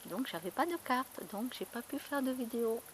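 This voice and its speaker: A woman vlogger chats loosely to her camera, circling back and repeating herself as she tells her story. Her voice sits a little on the high side. A faint hiss runs under the recording. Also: expressive, moderate pace. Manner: chatty, rambling storytelling with many fillers and repeats. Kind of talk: casual chat.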